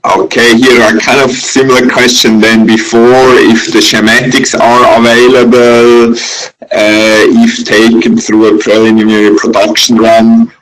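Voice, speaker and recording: A man from Switzerland with a Swiss accent, moderating a webinar question-and-answer session in a hesitant, halting way. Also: medium pitch, level tone, a bit bright, rough recording.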